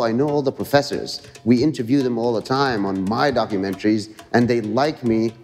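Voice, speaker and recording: A man from Egypt, a guest telling animated stories from his life in an interview. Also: medium pitch, long reverb tail. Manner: animated, lively anecdotes. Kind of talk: interview storytelling.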